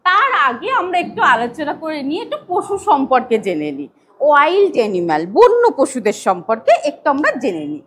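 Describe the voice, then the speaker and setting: এক মহিলা শিক্ষক ছোট বাচ্চাদের ডেমো ক্লাস নিচ্ছেন, সুর করে উৎসাহ দিয়ে প্রশ্ন করছেন আর ইংরেজি শব্দের বানান অক্ষর ধরে ধরে বলছেন।. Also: female voice, high voice, wildly swooping pitch, a little fast, fairly bright tone. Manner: singsong, coaxing, spells words letter by letter. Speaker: teacher giving a demo class. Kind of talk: demo lesson to young children.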